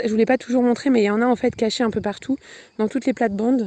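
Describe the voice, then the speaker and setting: A woman speaks with a dark, mellow tone at a fairly high pitch. Her intonation stays fairly even. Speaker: home gardener vlogger. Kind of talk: casual garden tour. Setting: outdoors in garden. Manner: fast; hesitant, many fillers.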